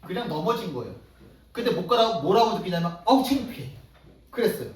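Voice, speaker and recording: A male pastor preaching a sermon in a lively way, acting out the voices of ordinary people as he goes. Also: high voice, fast talker. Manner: animated, acts out everyday voices in quotes. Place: church sanctuary. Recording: echoey church hall, distant mic.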